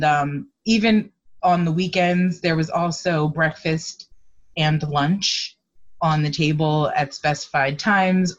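Low-voiced woman on a dull remote line. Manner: hesitant, thoughtful, many ums. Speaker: guest, activist. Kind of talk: conversational interview.

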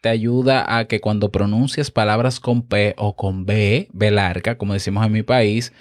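A man hosting a podcast lesson, explaining with animated energy and often checking in with the listener on a close microphone. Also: lowish voice, normal speed, no room sound. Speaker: podcast host and instructor. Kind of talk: instructional podcast talk. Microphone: close studio microphone with compressor.

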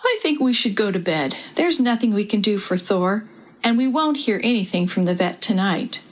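A woman voicing a jolly, steady father of two, calm and thoughtful in tone. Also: medium pitch, moderate pace, close to an everyday voice.

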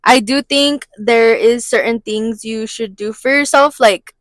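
A woman's voice: on the high side, a little slow, no echo. A woman in her twenties co-hosting a podcast, chatting casually and slipping Spanish phrases into her talk. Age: 20s. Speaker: podcast co-host. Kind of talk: casual chat.

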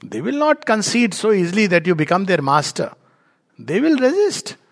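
A man with a North Indian accent speaks as a spiritual teacher. His voice sits fairly high and has some creak in it. He talks emphatically, like a storyteller, slipping into little acted-out dialogues as he explains. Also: very animated, normal speed. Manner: emphatic, storytelling, chuckles at own remarks.

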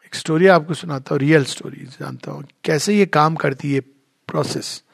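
A man's voice: fairly high pitch, normal speed, creaky, slightly rough. A man giving a spiritual talk, telling a story from his work as a doctor and switching between Hindi and English. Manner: storytelling, mixes in English phrases. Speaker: spiritual speaker.

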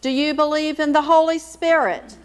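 A woman with a high voice leads worship. She delivers the liturgy formally and ceremonially to a congregation. Her words ring with the long echo of a large church. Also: fairly even intonation, normal speed, a crowd in the background. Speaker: worship leader. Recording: echoey church hall, long reverb.

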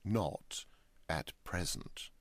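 A man voicing a calm, offhand young man who talks of dreadful things in a careless, deadpan way. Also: sits low, extremely slow, creaky, no room sound, full character voice.

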